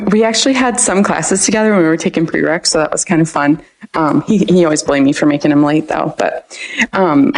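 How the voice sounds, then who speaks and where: A woman's voice: on the low side, a little mellow. A woman in her thirties with a Philadelphia accent, chatting as a podcast guest and laughing often. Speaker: guest, dietetics student. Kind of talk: casual interview chat.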